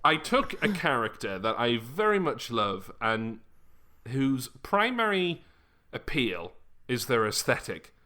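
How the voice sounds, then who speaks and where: A man's voice: mid-range voice, sing-song, slow, sharp tone. A man chatting casually as a podcast host, bantering and poking fun at himself. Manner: bantering, self-deprecating. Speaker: podcast host and audio drama creator. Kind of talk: casual chat.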